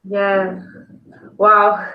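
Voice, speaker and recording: A woman's voice: medium pitch, completely flat delivery, very slow. A woman with a Brazilian Portuguese accent speaking English as a second language, chatting as an interview guest. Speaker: podcast guest, house-building company founder. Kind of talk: casual interview conversation. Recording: roomy echo, dull lo-fi call audio.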